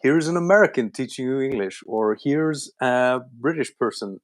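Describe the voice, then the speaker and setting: A man from Iceland hosting a casual language chat, easygoing and quick to agree. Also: mid-range voice, animated. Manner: easygoing, affirming, repeats yeah. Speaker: host, language teacher.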